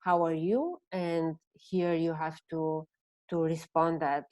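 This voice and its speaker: A woman from Bulgaria with a Bulgarian accent presenting an online seminar, speaking haltingly as she searches for words in non-native English. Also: sits low, level tone, a little mellow, dry recording. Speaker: presenter, counselor.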